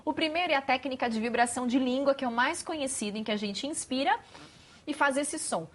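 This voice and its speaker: A woman speaks as a speech therapist on a TV interview. Her voice sits fairly high, and she articulates each word with clear, careful precision as she explains voice exercises. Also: fast, a little hiss or hum. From Brazil.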